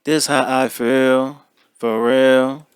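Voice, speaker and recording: A man singing a slow recorded vocal, run through auto-tune. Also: mid-range voice, level tone, clean tone, no echo. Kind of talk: played-back sung vocal recording.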